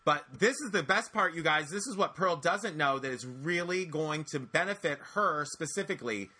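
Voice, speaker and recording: Bright-voiced chatty man in his forties. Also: a little high, normal speed, slightly rough. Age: 40s. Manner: chatty, animated storytelling with many restarts. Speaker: podcast host. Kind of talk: casual podcast chat.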